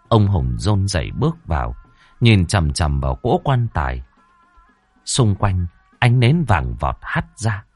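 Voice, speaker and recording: A man narrates a story dramatically. His delivery is lively and highly expressive. The recording is dry, with faint music underneath. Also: husky, no echo.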